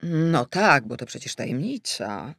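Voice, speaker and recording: A woman's voice: very deep voice, sing-song, unhurried, vocal fry, a bit bright, dry recording, clean studio sound, heavily acted. A woman doing an exasperated, teasing fiancé. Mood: mocking. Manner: questioning, reproachful. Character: exasperated, teasing adult man, the heroine's fiancé. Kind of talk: acted audiobook dialogue.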